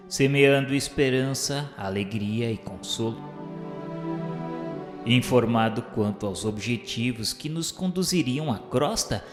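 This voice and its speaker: A man narrating a radio drama in the first person, formal and reverent in tone, also speaking his own lines to a mentor. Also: mid-range voice. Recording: roomy, reverberant hall sound with music.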